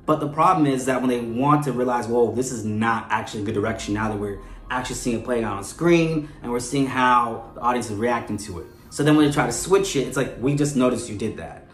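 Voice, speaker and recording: A chatty male host with a mid-range voice talks fairly quickly, barely pausing, as he analyzes characters on his soap opera fan show. He often caps his points with a questioning "right?" The room is echoey, with background music playing underneath.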